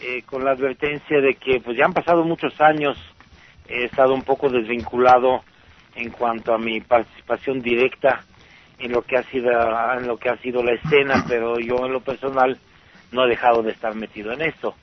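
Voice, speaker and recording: A man in his sixties, born in Bulgaria, telling his story in an interview at an unhurried pace, full of fillers and restarts. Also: medium pitch, steady tone. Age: 60s. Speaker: interview guest. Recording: dull lo-fi sound.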